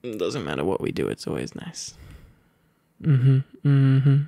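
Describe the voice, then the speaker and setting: Soft-spoken British RP man, ASMR boyfriend, sleepy and overfull, unhurried, dry close sound. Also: mid-range voice, very animated, vocal fry, dry recording. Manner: drowsy, soft and playful, with gentle whispers. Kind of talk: soft ASMR storybook reading and pillow talk.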